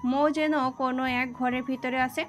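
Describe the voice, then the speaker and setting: A woman narrating a dramatic audio story in a steady, scripted storytelling manner. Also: high-pitched, moderate pace, faint music behind.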